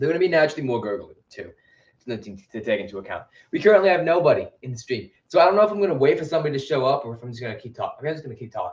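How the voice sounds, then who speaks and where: Somewhat breathy, a man speaks at a very fast pace in a fairly high pitch, with very wide pitch swings. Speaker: streamer and vocal coach giving scream tips. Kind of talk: livestream Q&A tutorial. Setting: livestream. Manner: casual, filler-heavy. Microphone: poor mic quality, no good interface.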